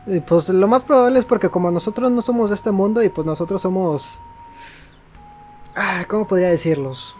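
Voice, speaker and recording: A man's voice: sits high, fast talker, darkish tone, faint music behind. A man giving casual let's-play commentary as a gaming YouTuber, a native Spanish speaker.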